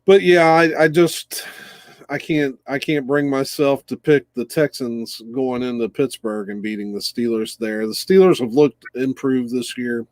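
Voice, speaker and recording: A man's voice: medium pitch, a little slow, dry recording. A man co-hosting a casual football picks show, hesitant and easygoing, often chuckling. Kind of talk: casual sports chat.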